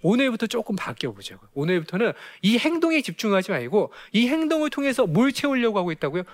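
A man speaks in a high voice, lecturing parents on raising children. His pitch leaps up and down as he throws out rhetorical questions. He often mimics the children and mothers he describes.

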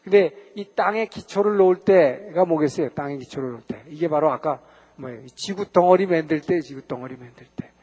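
A man's voice: fairly high pitch, a little fast, warm tone, husky, long reverb tail, muffled recording. A man giving a Bible lecture to a class, talking conversationally and asking them rhetorical questions. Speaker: Bible teacher.

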